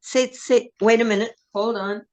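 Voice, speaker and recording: A woman's voice: on the high side, steady tone, normal speed. A woman chatting casually on a video call, asking practical questions. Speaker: participant.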